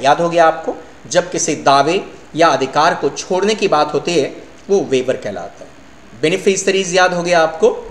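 A middle-aged male English teacher explaining word meanings to his students in Hindi, asking and answering his own questions. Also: a little high. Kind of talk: vocabulary lesson. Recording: echoey room, faint hum.

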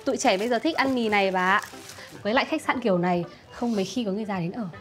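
A woman's voice: medium pitch, very fast, faint music behind, lightly acted. An actress playing a polite young woman, speaking deferentially to an elderly woman. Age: young adult. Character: polite young woman caring for her fiancé's grandmother. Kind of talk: TV drama acting.

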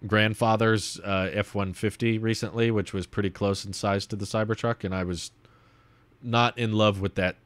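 A man's voice: fairly low pitch, steady tone, moderate pace, dry recording. A young man talking casually and thinking aloud as he hosts a stream, reading and answering comments into a close desk microphone. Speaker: video host reading and answering viewer comments. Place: small home room set up as a streaming studio, indoors. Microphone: desk microphone on a boom arm, close.

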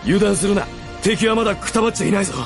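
An actor playing a rough, defiant warrior in a fantasy radio drama, speaking with urgency. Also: male voice, high voice, rapid-fire, over music. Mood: urgent. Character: gruff defiant male warrior in fantasy battle.

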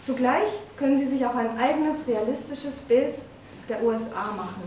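A woman giving a formal, measured prepared speech. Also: fairly high pitch, dark tone, slight background noise. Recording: echoey hall from far off.

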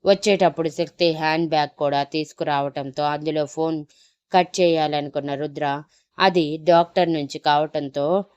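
A woman narrating an emotional love story in a steady, flowing way. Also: low-pitched, moderate pace, clean tone, no echo, highs cut off.

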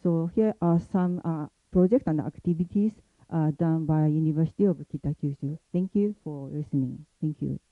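A woman presents a prepared university report in a careful, halting way, often pausing on fillers. Her voice sits somewhat low for a woman. The recording is thin and phone-like, with a dry sound. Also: no room sound. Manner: careful, hesitant delivery with many pauses and fillers.

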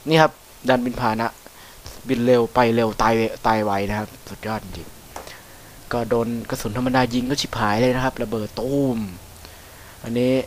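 Casting note: male let's-play commentator, mid-pitched, loose and chatty, faint hiss under the recording. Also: normal speed, long pauses. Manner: chatty, swears freely, excitable whoops. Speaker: gameplay commentator.

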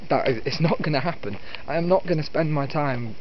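A man's voice: on the high side, brisk. A man in his twenties chatting in a rambling, casual, grumbling way as a video host, recorded on a handheld camera while walking outdoors. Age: 20s. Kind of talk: rambling casual vlog chat. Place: outdoors on a walk through countryside. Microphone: handheld camera at arm's length. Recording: muffled outdoor recording with loud ambient noise.

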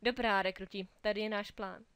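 A woman's voice: medium pitch, steady tone, fairly bright tone, smooth, no echo, natural voice. A woman reading a storybook, voicing a brave male toy space ranger who rallies his friends with rousing commands. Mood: commanding. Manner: rousing, commanding calls to the other toys. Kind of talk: storybook character voice.

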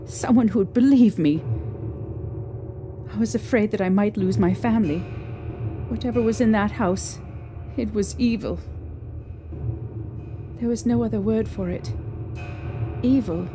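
A woman playing a frightened young mother in an audio drama, recounting a haunting with halting, emotional delivery. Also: mid-range voice, natural voice. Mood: fearful. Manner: halting, emotional storytelling with trembling pauses. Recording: eerie music behind.

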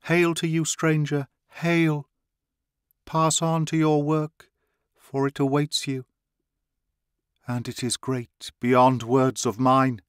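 A man reading an audiobook, voicing an entranced female seer who speaks in a high, sighing voice with solemn, prophetic chanting. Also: slow, pauses often, dry recording, clean studio sound, close to an everyday voice. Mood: exalted.

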